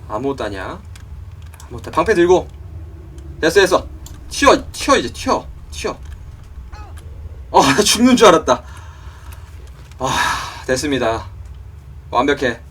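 Excitable young man gaming on stream. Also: mid-range voice, slight background noise. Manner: excitable, talks to game creatures, yelps when startled. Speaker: gaming YouTuber. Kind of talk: let's play commentary.

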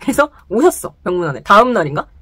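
A young woman telling a personal story to the camera in casual chat, animated and laughing often, in a small indoor room. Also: medium pitch, fast. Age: young adult. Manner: animated, laughs often, gestures while talking. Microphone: camera close in front, sitting.

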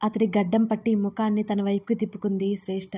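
A woman narrating a story aloud in a steady, even reading voice. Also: mid-range voice, fast talker, breathy edge.

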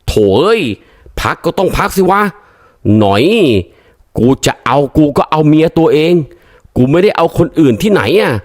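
A man's voice: fairly high pitch, sing-song, normal speed. A man voicing a stubborn, sulky older village husband who grumbles in coarse speech. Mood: grumbling.

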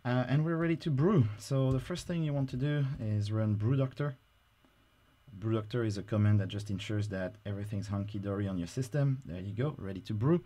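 A man talking through a software install on screen in a casual, explanatory way, with frequent fillers. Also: on the low side, a little fast. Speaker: software tutorial presenter. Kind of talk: screen-recorded software tutorial.

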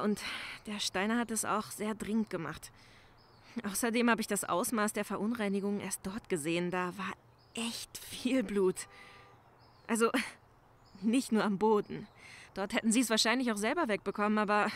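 A woman's voice: medium pitch, moderate pace, natural voice. A woman playing an anxious young crime-scene cleaner in a crime audio drama, speaking hesitantly and urgently, pleading. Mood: concerned. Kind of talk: German crime audio drama acting, conversational.

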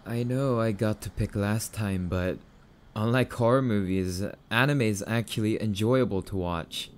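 Casting: male actor as sulky, skittish catboy boyfriend for ASMR roleplay, lowish voice, unhurried, noisy recording. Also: close to an everyday voice. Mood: teasing, reluctant. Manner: stammering, defensive, sulky. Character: grumpy, easily spooked, affectionate young catboy boyfriend.

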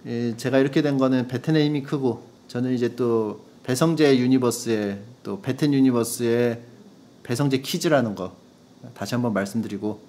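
A man hosting a casual podcast, chatting and answering listener letters, rambling and self-deprecating, with sudden loud emphasis. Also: mid-range voice, normal speed. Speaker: radio-style podcast host reading listener letters. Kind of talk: casual chat.

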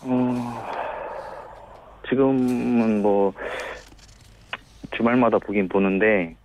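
A man's voice: lowish voice, steady tone, drawn-out words, noisy background. A man, answering interview questions politely as a phone-in guest. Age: late 30s. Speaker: phone-in guest, small farm owner. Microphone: telephone call. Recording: narrow, tinny phone line.

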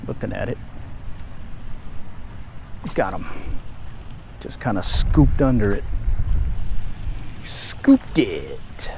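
A man filming himself fly fishing at a park pond, giving casual running commentary with relaxed, muttered asides while he casts, recorded on a head-mounted action camera outdoors. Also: lowish voice, drawn-out words, gravelly, pauses often, a little hiss or hum, low-quality recording. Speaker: angler filming his fishing.

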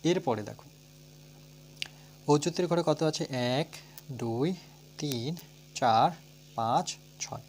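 A man with a Bengali accent teaches a math lesson at a middle pitch. He walks through each step, counting slowly aloud and spelling words out letter by letter. A faint hiss and hum sit under his voice. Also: darkish tone. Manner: talks through steps, asking and answering his own questions.

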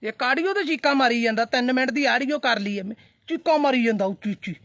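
Man, high pitched, bright, defiant, repetitive, casual ranting stream, dry close sound. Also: quick pace, dry recording. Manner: defiant, repetitive, addresses viewers as brothers. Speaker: social media live streamer. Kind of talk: heated casual rant to viewers.

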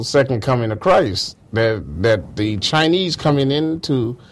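Slow-talking man conducting an interview. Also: mid-range voice. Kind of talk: conversational interviewing.

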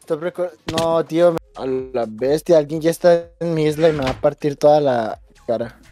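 A man's voice: a little high, normal speed, mellow, soft background music. A man chatting casually during a game session, teasing and joking with his friend. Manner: joking, teasing, playful banter. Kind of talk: casual gaming chat with a friend.

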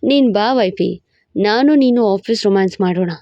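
A woman voicing a playful, cocky young husband in a storybook romance, with a low, smug, teasing drawl. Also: moderate pace, no room sound, highs cut off, lightly acted. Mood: protective. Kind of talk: storybook narration with voiced roles.

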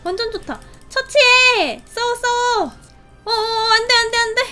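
A young woman hosting a casual game play video, gushing and giggling with excited exclamations. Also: very high voice, a little slow. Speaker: game channel host. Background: game music.

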